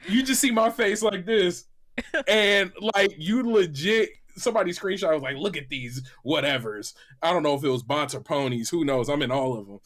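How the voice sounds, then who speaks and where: A man chatting in animated, slangy podcast banter, excitable and often repeating his phrases. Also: fairly high pitch, normal speed. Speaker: gaming podcast panelist and reviewer. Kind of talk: animated casual panel banter. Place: remote call on a livestream.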